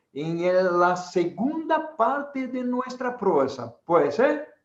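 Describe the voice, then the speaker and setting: With a Portuguese accent, a man speaks at a very slow pace and his pitch swings very widely. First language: Portuguese (speaking Spanish). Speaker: podcast host. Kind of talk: interview. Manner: halting.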